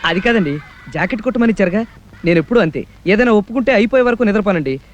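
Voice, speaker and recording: An actor playing a bumbling, overly polite young tailor in comic film dialogue. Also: male voice, high voice, animated, very fast, highs cut off, noisy background. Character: bumbling young male tailor, pestering and cheeky.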